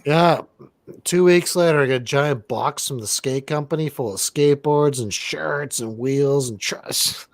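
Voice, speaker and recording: A man co-hosting a casual movie-review chat, rambling and deadpan, with casual swearing. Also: on the high side, measured pace, dry recording, studio quality. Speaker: podcast co-host.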